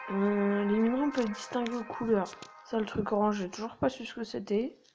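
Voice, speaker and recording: Her pitch sits in the medium range and varies in an ordinary way. This woman keeps a moderate pace. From northern France. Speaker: gaming youtuber. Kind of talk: gameplay commentary. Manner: casual, hesitant with fillers.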